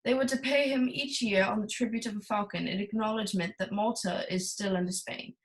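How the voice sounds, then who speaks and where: A woman's voice: mid-range voice, steady tone, a little fast, natural voice, poor audio. A woman playing a courtly, greedy and obsessive middle-aged crime boss in a noir radio play, speaking in a formal, grandiose way. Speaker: voice actor. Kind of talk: 1940s film noir radio acting.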